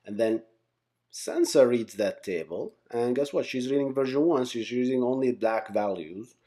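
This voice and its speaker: A man's voice: mid-range voice, moderate pace, warm tone. A man giving an informal tutorial, thinking aloud step by step and often checking in with short tags. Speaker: software engineering instructor.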